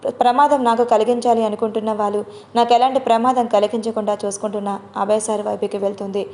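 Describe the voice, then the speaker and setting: A woman's voice: mid-range voice, little pitch movement, fast, darkish tone, natural voice. A woman voicing a frightened young woman who pleads through tears in an audio drama. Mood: anguished outburst. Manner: pleading, breaking into sobs.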